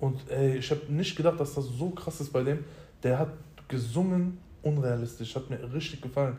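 The tone is dark and mellow and somewhat breathy. The speech moves at a moderate pace with fairly even intonation. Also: man, fairly high pitch for a man. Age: 30s. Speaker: podcast co-host, pharma wholesale worker. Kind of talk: casual chat.

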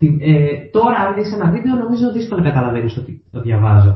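His pitch is fairly high and swings very widely. The man keeps to a moderate pace. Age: 30s. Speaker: pharmacist and YouTuber. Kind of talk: podcast interview.

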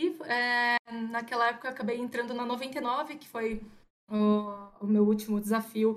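A woman's plain, everyday voice, fairly high in pitch and fairly slow, with fairly even intonation and big swings in loudness. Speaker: startup co-founder. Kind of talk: casual interview.

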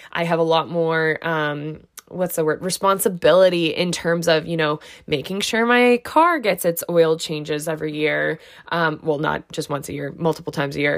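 A woman with a normal speaking voice talks at a moderate pace, her fairly low pitch showing ordinary variation, on a very clean recording with a silent background. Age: 20s. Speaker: wellness podcast co-host. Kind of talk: solo monologue. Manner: casual with frequent fillers.

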